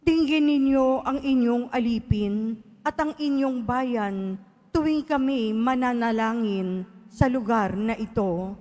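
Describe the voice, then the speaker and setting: A woman reading scripture aloud as lector at a church service, in a measured, solemn way. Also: on the high side, darkish tone. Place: large church. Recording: long church reverb.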